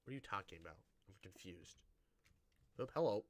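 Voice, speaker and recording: A man's voice: deep voice, expressive, brisk. A man with a Midwestern American accent from the Great Plains, chatting casually and rambling as a gaming streamer. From Great Plains, United States. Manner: rambling, chatty, restarts his sentences. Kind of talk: casual chat while live-streaming a game.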